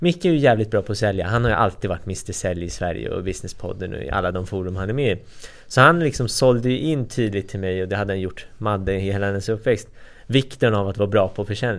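Recorded very cleanly with a silent background, a man with a fairly low pitch speaks at a very fast pace with ordinary pitch variation. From Stockholm suburbs, Sweden. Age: 20s. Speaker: entrepreneur and investor. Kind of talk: interview.

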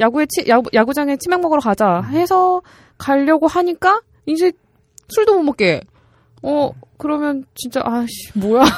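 A high-pitched woman talks at a moderate pace with very wide pitch swings and big swings in loudness. She pauses long and often, and the sound is dry and close with no echo. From Gwangju, South Korea. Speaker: podcast co-host. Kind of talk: casual chat.

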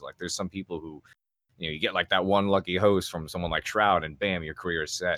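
In a bright, sharp tone, a man talks on a very clean recording against a silent background. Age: 20s. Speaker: voice actor and streamer. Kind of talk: casual chat.

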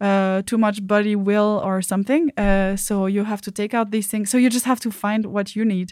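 Speaking at a moderate pace with hardly any pauses, a woman in a French accent keeps a medium pitch and fairly even intonation on a very clean recording with a silent background. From France. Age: young. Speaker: opera and musical singer. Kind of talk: casual interview. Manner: halting.

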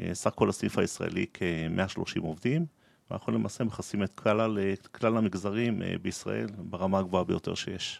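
At a moderate pace, an ordinary speaking voice comes through with ordinary pitch variation. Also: man, fairly low pitch for a man. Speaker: cybersecurity company manager. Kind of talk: interview. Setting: studio.

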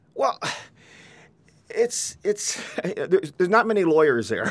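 Vocal fry runs through a man's voice as it makes very wide pitch swings. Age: 60s. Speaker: former radio newsman and PR professional. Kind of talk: casual interview. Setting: studio.

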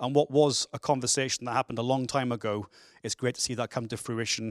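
A man talks at a very fast pace in a monotone, flat intonation at medium pitch. The sound is dry and close with no echo, on a very clean recording with a silent background. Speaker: university dean chairing the lecture. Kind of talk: event chairing and introductions. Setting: live lecture hall with audience.

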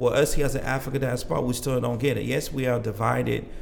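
A man speaks at a very fast pace while noticeable background noise carries on behind him. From DR Congo. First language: French or Lingala. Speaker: community organizer and entrepreneur. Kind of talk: interview and spoken word poetry.

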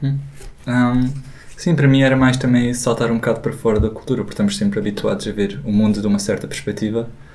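There is noticeable background noise behind a man speaking at a very fast pace. His medium pitch follows fairly even intonation. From Portugal, Costa Vicentina (Alentejo coast). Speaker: traveller. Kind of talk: casual chat.

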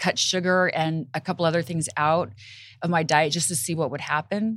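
Moderate pace and ordinary pitch variation from an unremarkable speaking voice, in a very clean recording over a silent background. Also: woman. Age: 50s. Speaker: salon owner. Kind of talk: casual chat.

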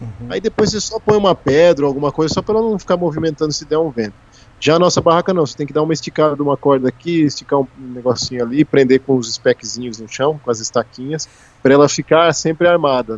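A man's very fast, fairly high-pitched speech with lively intonation. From Brazil. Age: 30s. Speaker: pathologist on a round-the-world bicycle trip. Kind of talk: casual interview chat.

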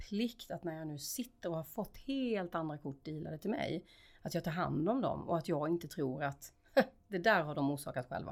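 A woman speaks at a moderate pace with lively intonation and a fairly low pitch, in an unremarkable speaking voice. The recording is very clean, with a silent background. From Skåne, Lund. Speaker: coach and entrepreneur. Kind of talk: casual interview.

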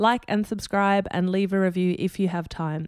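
In a very clean recording with a silent background, the speaker talks at a moderate pace with an Australian accent. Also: woman, dry, close sound with no echo. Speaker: podcast host. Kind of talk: casual chat; scripted podcast intro. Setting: hotel room. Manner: quiet.

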